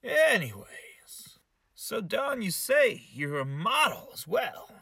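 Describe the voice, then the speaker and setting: A male podcast host with a gravelly, raspy edge and a bright, forceful tone. His pitch swings in a lively way as he teases his guest with sarcastic jabs. The sound is dry and close. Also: slow pace, no echo. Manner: sarcastic, mock-insulting teasing. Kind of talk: comedic host banter.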